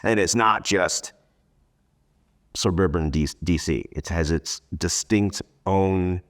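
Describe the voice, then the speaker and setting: A man with a low voice gives a relaxed, informal interview. He tells things in a loose, rambling storytelling way, dropping in quoted asides as he explains. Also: slow. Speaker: interview guest, town crier and tour guide. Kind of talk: casual conversational interview.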